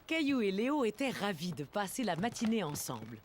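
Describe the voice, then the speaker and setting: A woman playing a gentle storybook narrator, reading scripted narration for a children's cartoon. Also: medium pitch, very animated, brisk, very noisy, natural voice.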